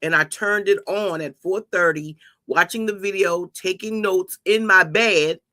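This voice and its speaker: A raspy, tired-sounding woman in middle age hosts a casual livestream, talking in a chatty, rambling way full of quick asides. Her voice has a bright, forceful edge despite its slightly deep rasp. The sound is dry and close, with almost no room around it. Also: no room sound. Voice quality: raspy and a little deep today. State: tired from an early start. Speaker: pastor and channel host.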